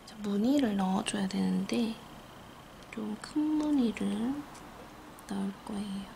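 A woman with a Gyeongsang Korean accent gives a casual hands-on nail tutorial. Her voice sits at a middle pitch with plenty of creak. A light noise runs behind her in the studio. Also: a little slow. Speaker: nail art instructor. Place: indoor nail art studio. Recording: noisy room, steady background noise.

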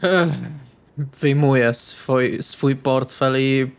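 A man's voice: mid-range voice, very slow. A man playing in a tabletop role-playing game, in casual in-character banter.

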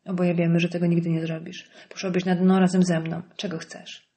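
A woman's voice: on the low side, level tone, fairly quick, mellow, lightly acted. A woman reading an audiobook voices a curt, irritable middle-aged politician husband. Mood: curt, irritated. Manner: curt, dismissive.

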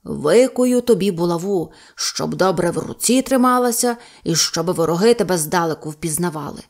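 Old male Cossack sage, read by a woman: solemn, slow, prophetic storybook voice. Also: fairly low pitch, animated, a little mellow. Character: wise old male Cossack mystic, calm.

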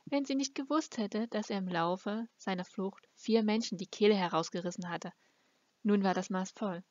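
Reading a fantasy novel as an amateur audiobook narrator, this woman has a mid-range, darkish voice. It's captured in a dull, lo-fi close recording without any room sound.

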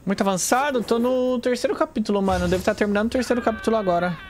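A man's voice: high-pitched, very fast, a little hiss or hum. A young man with a Brazilian accent giving casual gameplay commentary at a desk microphone. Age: young adult. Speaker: game streamer. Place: indoor room at home. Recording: game ambience behind the voice.

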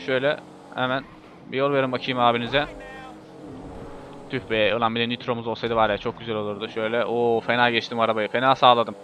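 A man commentating a racing game in a casual, excitable way, swearing and yelling when he crashes. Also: mid-range voice, fast talker. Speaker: gameplay video host. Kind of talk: live gameplay commentary. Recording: muffled lo-fi mic with faint hiss.

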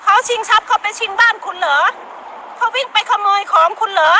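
A woman's voice: extremely high pitch, brisk, noisy background. A middle-aged woman with a Northeastern Thai Isan accent, ranting emphatically during a casual live stream. She scolds and laughs often.

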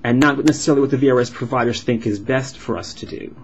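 Male interpreter voicing a vlog, mid-pitched, halting phrase-by-phrase delivery, muffled lo-fi audio. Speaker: sign language interpreter voicing a signed vlog. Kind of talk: live interpretation of an explanatory vlog. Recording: dull lo-fi sound with clear background noise.

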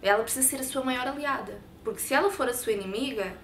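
A woman in her thirties with a European Portuguese accent, telling her personal story in an expressive, hand-gesturing way in a sit-down studio interview on a lapel mic. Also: sits high, quick pace, roomy sound, slight background noise. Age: 30s. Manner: expressive, talks with her hands. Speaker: interview guest. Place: bright studio set with sofa and shelves.

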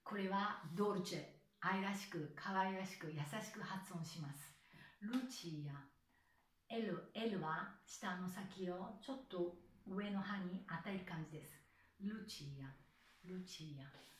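A woman's voice: mid-range voice, echoey room, far from the mic, a little hiss or hum. A woman, a soprano, giving a pronunciation lesson and patiently sounding out syllables one by one. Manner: patient, slow demonstrative enunciation of syllables. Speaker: soprano and singing teacher.

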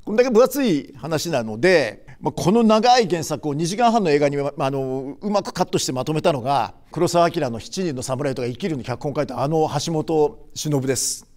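A man in his sixties talks through film history as a show host, in a casual, explaining manner full of small filler pauses. His voice sits a little high and swings widely in pitch, which keeps the commentary lively.

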